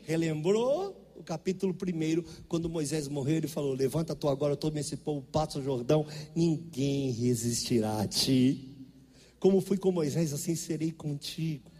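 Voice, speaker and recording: High-voiced Brazilian preacher in a reverberant church. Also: male voice, warm tone, breathy edge. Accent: Brazilian Portuguese. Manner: storytelling, emphatic, conversational preaching. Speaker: pastor. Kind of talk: sermon.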